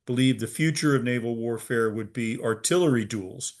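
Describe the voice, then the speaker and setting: A middle-aged American man from Virginia, a museum's head of research, explaining history as an interview guest over a video call, measured and pausing often with "uh". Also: mid-range voice. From Virginia, USA. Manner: measured, with frequent "uh" pauses.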